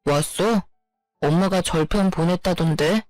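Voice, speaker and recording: A woman's voice: fairly low pitch, a little slow, darkish tone, no echo, soft background music, pitched below the performer's own voice, natural voice. A woman playing a dismissive, selfish husband. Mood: casual. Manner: offhand, dismissive. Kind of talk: storytelling narration.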